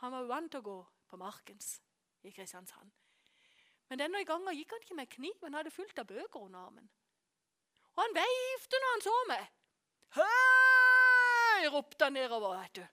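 A woman preacher delivering a sermon as a lively story. Her voice is high and moves widely in pitch. She sometimes sinks into hushed whispers for emphasis. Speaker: preacher and course teacher.

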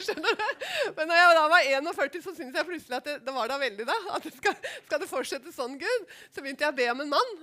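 A middle-aged woman preacher giving a personal testimony in an animated storytelling way, often asking her listeners if they follow. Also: high voice. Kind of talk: testimony sermon.

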